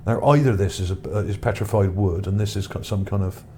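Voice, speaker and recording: This low-pitched, dark-toned man talks briskly through images he discovered, giving off-the-cuff commentary for his video. He comes across as hesitant and contemplative, over background noise.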